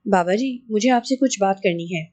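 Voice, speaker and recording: A woman's voice: mid-range voice, mellow, close to an everyday voice. A woman voicing a haughty, wealthy woman in her forties who is impatient and vengeful. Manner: imperious, demanding.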